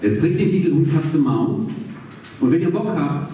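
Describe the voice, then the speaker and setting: A man's voice: a little high, expressive, normal speed, mellow, recorded from a distance. A man presenting on stage, making a breezy, colloquial announcement to an audience. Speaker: event presenter. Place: theatre stage before an audience. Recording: echoey stage PA heard from afar, noisy.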